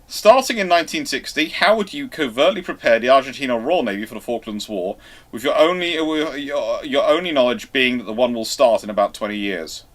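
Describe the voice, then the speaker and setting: A man with a middle-pitched voice hosts a casual live discussion. He talks haltingly, circling back over his phrases and rewording them as he goes. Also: expressive. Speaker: host of a live history question show.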